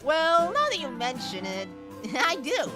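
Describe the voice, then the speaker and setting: A cheeky young twin, played by a woman, teases in playful slang. The voice is high and swings wildly in pitch, with loud music behind this audio drama. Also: huge pitch swings, a little slow, heavily acted. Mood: teasing. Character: cheeky, thrill-seeking, teasing young twin.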